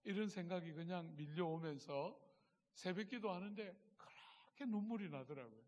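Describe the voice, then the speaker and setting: A middle-aged man preaching a sermon as pastor, telling stories with strong feeling and swinging from soft to loud. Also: sits high, animated, moderate pace, in a large hall, dull audio.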